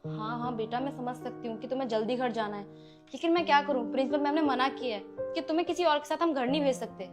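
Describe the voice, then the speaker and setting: Gentle, soothing teacher, a woman in the role, quick delivery, clear music under it. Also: high voice, lightly acted. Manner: soothing, reassuring. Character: gentle reassuring female school teacher.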